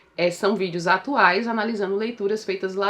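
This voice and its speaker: A woman speaks at a medium pitch and a fairly brisk pace, her pitch varying in an ordinary way, while background noise is clearly noticeable. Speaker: book youtuber. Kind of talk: casual vlog chat. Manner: fast; calmer than before.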